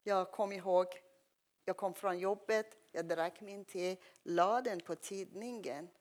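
Middle-aged woman, emotional testimony in simple swedish, mid-pitched voice. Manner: earnest, emotional storytelling in simple learner Swedish. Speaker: testimony speaker. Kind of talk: personal testimony.

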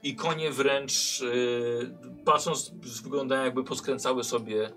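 A mid-pitched man runs a tabletop session as game master. His narration is lively and breaks into urgent shouts at tense moments. Faint music plays underneath. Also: measured pace, vocal fry.

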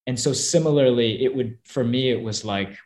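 A young actor whose first language is Korean answers interview questions thoughtfully, often restarting and laughing softly. He speaks at a medium pitch and moderate pace.

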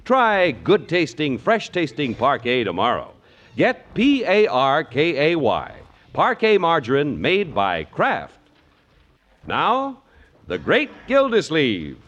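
A man's voice: on the high side, wildly swooping pitch, slow pace, fairly bright tone, muffled recording. A man announcing in the manner of a 1950s old-time radio announcer, with polished, emphatic sponsor reads on a vintage broadcast. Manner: emphatic, polished salesman delivery.

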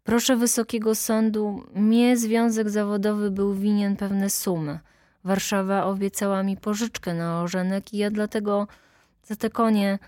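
A woman's voice: mid-range voice, little pitch movement, measured pace, dark tone, dry recording, lightly acted. A meek male defendant, read by a woman answers with timid, formal deference. The voice is close and dry, with nothing of the room around it.

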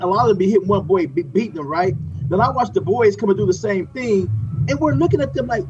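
A man in his fifties hosting a casual panel chat, telling animated stories. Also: high-pitched, muffled recording. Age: 50s. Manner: animated storytelling. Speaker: host.

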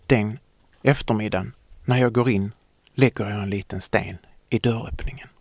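A man narrating a children's story in a gentle, lively way. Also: on the low side, no room sound.

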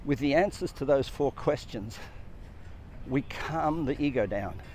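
Man, mid pitch, earnest reflective talk, repeats phrases, faint traffic noise. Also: animated, unhurried, a little mellow. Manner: earnest, repetitive, builds lists of questions. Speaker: speaker on personal growth.

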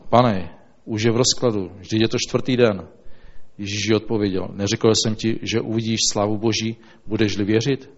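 A man reading scripture aloud and then preaching, in a slow, measured way with small restarts. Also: lowish voice. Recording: dull lo-fi recording.

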